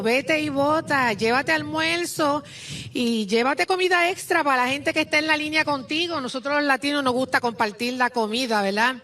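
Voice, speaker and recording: A woman's voice: high voice, sharp tone. A Puerto Rican woman giving an impassioned speech at an outdoor political rally, rousing the crowd in a Puerto Rican accent. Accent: Puerto Rican Spanish. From Puerto Rico. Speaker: rally speaker.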